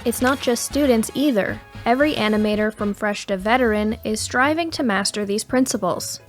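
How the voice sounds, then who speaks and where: Woman, fairly high voice, scripted teaching narration, host delivery, light music underneath. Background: background music.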